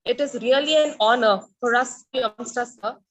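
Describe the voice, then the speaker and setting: A woman's voice: a little high, a little fast, rough recording. A woman with an Indian English accent formally introduces a guest speaker on a video call, steadily listing his qualifications. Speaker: event anchor introducing the guest.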